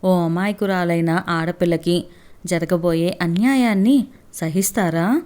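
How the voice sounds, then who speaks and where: A woman doing a righteous young man who pleads forcefully and earnestly for justice, in a low, mellow voice. He speaks with steady moral conviction. It is a storybook reading. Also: unhurried, smooth, close to an everyday voice. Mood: pleading.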